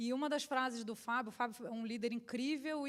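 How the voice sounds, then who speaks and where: Her high-pitched voice moves at a fairly quick pace, the woman keeping her intonation fairly even. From Rio de Janeiro, Brazil. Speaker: business executive. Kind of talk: panel discussion. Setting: stage with audience.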